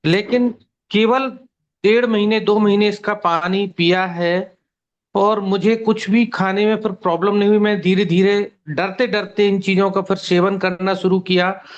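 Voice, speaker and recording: A man in his fifties from near Gwalior, giving a steady, detailed personal testimony on a video call. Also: high-pitched. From India, near Gwalior. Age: 50s. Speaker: testimonial guest. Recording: muffled online call audio.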